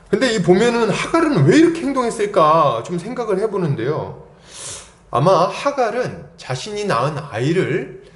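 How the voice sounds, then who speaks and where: A male pastor preaching a sermon in an animated, dramatizing way. He keeps asking the congregation rhetorical questions. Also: high-pitched. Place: church sanctuary. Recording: roomy church hall echo.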